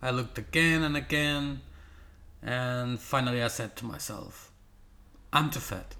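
The man speaks with a Portuguese accent. His tone is bright and sharp. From Portugal. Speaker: amateur running podcaster. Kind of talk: casual monologue, partly reading blog posts. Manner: halting, many fillers and repetitions.

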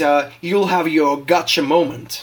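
At a very slow pace, a man speaks with a high pitch and a Russian accent. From Russia (Moscow). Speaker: journalist. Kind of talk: interview. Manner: halting.

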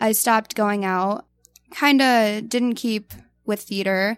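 A normal speaking voice with an American accent, fairly slow in pace, with ordinary pitch variation, on a very clean recording with a silent background. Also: woman. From Tucson, Arizona. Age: 18. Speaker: college student, aspiring comedian. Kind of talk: personal testimony. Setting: studio.

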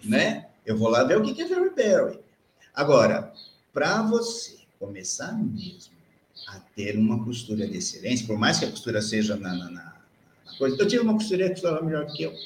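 Speaking at a moderate pace, a man with a fairly high pitch shows very wide pitch swings and big swings in loudness. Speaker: fashion patternmaker and sewing teacher. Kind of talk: interview.

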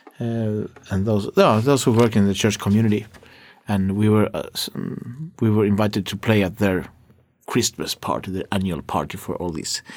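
A man's fairly low voice with a Finnish accent and fairly even intonation. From Finland. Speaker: accordionist and music teacher. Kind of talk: interview. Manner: hesitant, many fillers.

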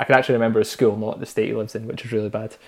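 A man speaks very fast in a Scottish accent. His intonation is monotone and flat. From Scotland. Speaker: podcast co-host. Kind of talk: casual chat.

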